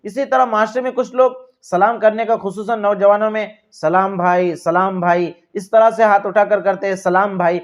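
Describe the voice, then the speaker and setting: A man with a Pakistani Urdu accent giving earnest, repetitive religious instruction and addressing viewers as dear friends. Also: sits high. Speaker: religious teacher. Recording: dull lo-fi sound.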